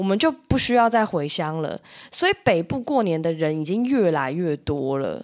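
Her pitch leaps and dips across a very wide range. The woman keeps a moderate tempo. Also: fairly low pitch for a woman. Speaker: podcast co-host. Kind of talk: casual chat.

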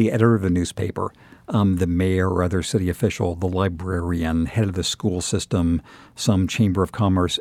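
A man with an American accent talks at a moderate pace in a very deep, low pitch. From Southern California, San Bernardino. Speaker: journalist and pilot. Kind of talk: interview conversation. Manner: halting.

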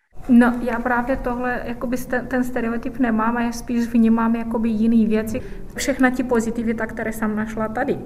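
A woman at fairly high pitch, moderate pace and monotone, flat intonation, with noticeable background noise and audible room echo. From Moldova. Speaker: community worker. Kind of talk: interview. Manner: hesitant.

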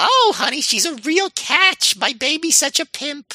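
A high-pitched, put-on character voice. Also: moderate pace. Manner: affectionate, doting.

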